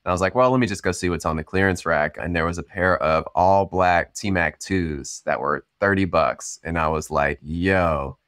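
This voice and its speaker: A man born in Cameroon, a startup founder, talking through his story in a relaxed, chatty way with lots of ums and you-knows. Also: sits low, moderate pace, few pauses, clean tone, no room sound, clean studio sound. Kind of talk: casual storytelling interview.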